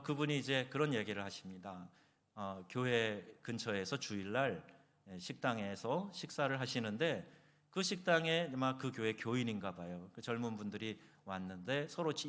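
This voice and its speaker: A man's voice: medium pitch, fairly bright tone. A man pastor preaching a sermon with fervent, emphatic exclamations. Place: church sanctuary. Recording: church hall reverb.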